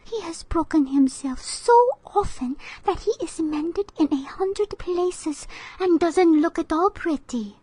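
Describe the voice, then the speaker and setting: A delicate young china princess speaks in a high, prim voice, slowly and carefully, as a woman reading a storybook puts her on. She sounds timid and proper. The sound is dry and close. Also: dark tone, no room sound.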